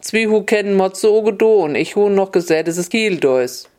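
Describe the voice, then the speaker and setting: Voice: mid-range voice, expressive, moderate pace, darkish tone, voice pushed up, close to an everyday voice. A storyteller voicing a defiant young girl in a snow-white dress, speaking in with a cheeky, matter-of-fact manner. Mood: pert.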